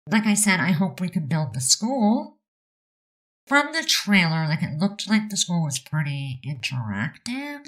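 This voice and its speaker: Woman, low voice, stuffed-up nose, rambling, casual build commentary. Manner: rambling and chatty, lots of "like" and "I don't know". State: stuffed up, about to sneeze. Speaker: Sims builder narrating a speed build.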